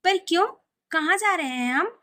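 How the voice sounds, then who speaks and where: Woman voicing a gentle young bride. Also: very high voice, animated, moderate pace. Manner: soft, polite.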